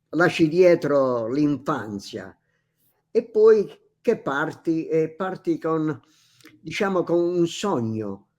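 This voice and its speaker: Against a quiet background, a man with a fairly high pitch speaks at a very slow pace with very wide pitch swings. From Matera, Basilicata, southern Italy. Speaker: emigrant, former shoe factory owner. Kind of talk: interview answer.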